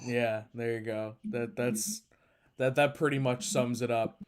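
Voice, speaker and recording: A man with a mid-range voice chats casually at an unhurried, slow pace. He has a jokey, easily amused manner. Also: mid-range voice, steady tone. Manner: jokey, giggly. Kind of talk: casual chat.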